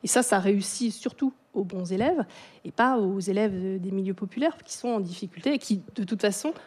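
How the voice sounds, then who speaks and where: Woman, radio guest, mellow voice, hesitant, lots of fillers. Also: mid-range voice, fairly quick. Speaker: guest on education.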